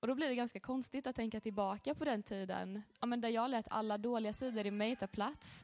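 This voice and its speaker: A woman's fairly high-pitched voice, an ordinary speaking voice, at a fairly quick pace with hardly any pauses, fairly even intonation and very even loudness. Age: 20s. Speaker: church speaker giving testimony. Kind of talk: testimony. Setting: church service.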